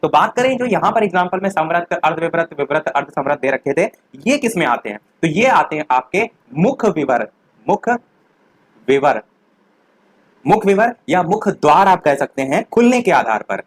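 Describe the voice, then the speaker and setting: A young man talks through an exam revision lecture. His voice sits a little high, and he leads the class step by step, asking questions and then answering them himself. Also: big pitch swings, fairly quick, few pauses, rough recording. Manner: explains step by step with rhetorical questions. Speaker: teacher.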